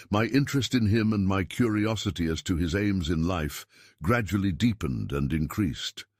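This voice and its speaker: A man reading a literary story as narrator, in a measured, formal storytelling manner. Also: sits low, husky, no echo, studio quality. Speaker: audiobook narrator.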